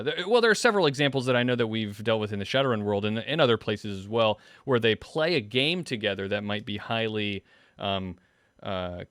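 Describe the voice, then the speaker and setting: A man hosting a casual panel discussion, talking in a halting way as he thinks aloud. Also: lowish voice, fairly bright tone, clear, resonant tone, no room sound, studio quality. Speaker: host.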